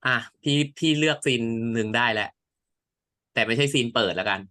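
A man co-hosting a casual chat podcast, recapping a drama series with friends, chatty and quick to laugh. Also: medium pitch. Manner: chatty, laughs often, animated retelling. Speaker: podcast co-host.

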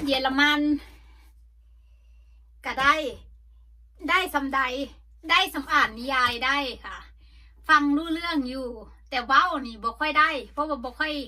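Isan-accented woman vlogger, middle-aged, high and bright, rambling casual chat from a sauna with coughs. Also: unhurried, pauses often. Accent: Isan Thai. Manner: chatty, rambling with frequent coughs.

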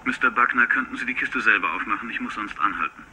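An actor playing a polite, deferential chauffeur in a crime drama, heard on a taped car phone call. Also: male voice, lowish voice, fast, bright, forceful tone, slight background noise. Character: deferential male chauffeur driving his boss. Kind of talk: dubbed TV crime drama acting.

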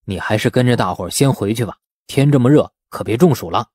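A man's voice: medium pitch, animated, fast, darkish tone, slightly rough, no room sound, studio quality. A man voicing a practical, easygoing village man with a casual, coaxing way of talking in an audiobook.

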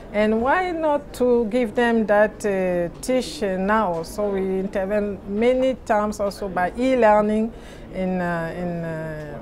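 A middle-aged woman with a Cameroonian accent answers interview questions haltingly, searching for words. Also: mid-range voice, darkish tone. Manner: halting, searching for words in non-native English. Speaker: interviewee, NGO president. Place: large indoor conference venue lobby.

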